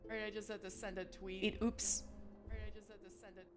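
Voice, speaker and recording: A woman's voice: mid-range voice, flat delivery, fast talker, over music. A woman chatting casually on a game live stream, her voice repeating back through a delayed echo. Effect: delayed echo repeating her voice back quieter.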